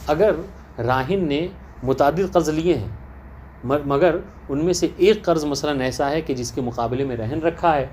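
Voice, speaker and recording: Speaking a little high and somewhat mellow, a man instructs students on religious law, working through a text and regularly checking with rhetorical questions that they understand. A light hiss or hum sits in the background of this class session.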